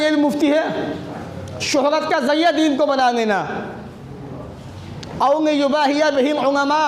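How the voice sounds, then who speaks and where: A man with a strikingly high voice delivers a religious sermon. He asks rhetorical questions and weaves in Arabic hadith quotations. The sound carries a roomy echo with a faint hiss of noise behind it. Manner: addresses listeners as brothers. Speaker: Islamic preacher. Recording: echoey room, faint background noise.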